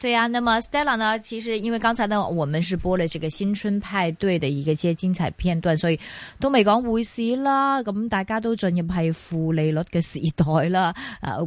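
A Hong Kong-accented woman with a somewhat low voice co-hosts a finance show. She speaks in a dry studio, chatty and relaxed, ending phrases with soft particles as she sets up questions for a guest. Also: no room sound. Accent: Hong Kong Cantonese. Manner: chatty, with frequent sentence-final particles. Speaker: radio finance show co-host. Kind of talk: casual chat with guest. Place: radio studio.

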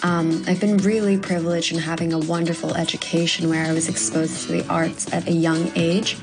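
A young woman actor from Hong Kong answers interview questions in an earnest, measured way. Her voice sits a little low, and soft music plays behind her. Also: level tone, rough recording. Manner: earnest, measured, with frequent ums. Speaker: guest actor.

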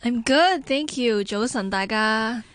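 A woman's voice: on the high side, slow pace, fairly bright tone, dry recording. A young woman guest on a radio chat, explaining slang in an agreeable, matter-of-fact way. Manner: explanatory, agreeable, many short yeses.

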